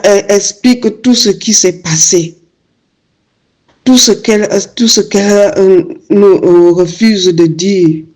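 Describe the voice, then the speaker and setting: A woman's voice: on the low side, darkish tone. A woman giving a prayerful testimony, hesitant and full of fillers as she searches for words.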